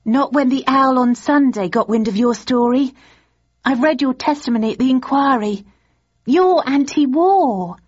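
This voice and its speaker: Woman doing an eager, high young activist. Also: unhurried, slightly rough. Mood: excited. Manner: excited, eager, pressing. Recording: dull lo-fi audio.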